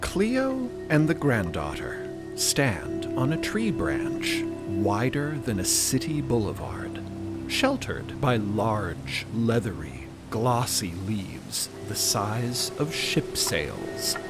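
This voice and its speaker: A man's voice: on the low side, huge pitch swings, takes it slowly, over loud music. A man narrator reading scripted audio fiction.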